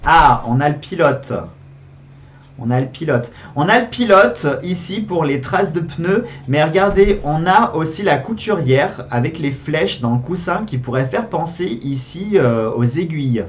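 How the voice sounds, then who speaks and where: A man talking through a board game video as he plays, in a fairly high voice. He thinks out loud, pauses, and repeats himself as he weighs each card, with a soft hiss faintly behind him. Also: animated. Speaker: gaming video host. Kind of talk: casual board game commentary.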